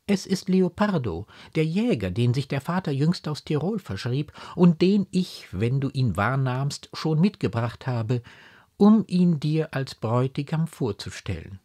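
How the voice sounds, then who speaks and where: An emotional, remorseful noblewoman and mother pleads with her daughter, her voice lifted higher than the reader's own, as a male reader puts her on. She speaks in lively, swinging phrases at a slow, deliberate pace. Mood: pleading.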